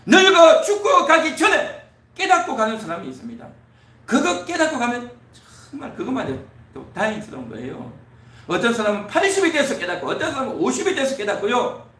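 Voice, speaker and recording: Male pastor, high bright voice, lively delivery, preaching in a church, echoey and off-mic. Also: a little fast, recorded from a distance. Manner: preaching with rising emphatic repetition. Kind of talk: sermon. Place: church sanctuary.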